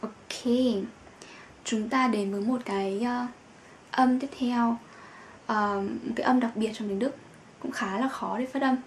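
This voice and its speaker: A woman teaching German pronunciation in a patient lesson, with drawn-out fillers and each example word said twice. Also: fairly high pitch, steady tone, slight background noise. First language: Vietnamese.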